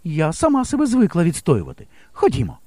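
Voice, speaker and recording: A bold young village schoolteacher, as a male reader puts her on, pitched well above his own voice. She speaks in a bright, brisk and reassuring way, with a dry, close storybook sound. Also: wildly swooping pitch, no echo. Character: brave, resolute young woman village teacher. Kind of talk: audiobook character voice.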